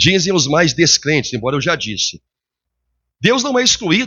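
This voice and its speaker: The man's pitch swings very widely. He talks at a moderate pace. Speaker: pastor. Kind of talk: sermon.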